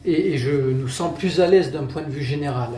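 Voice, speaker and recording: A man co-hosting a podcast, his voice a touch higher than most men's and ringing in an echoey room. He talks in measured, carefully built sentences, a little wordy but friendly. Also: mellow. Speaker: podcast co-host and editor. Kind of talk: casual podcast chat.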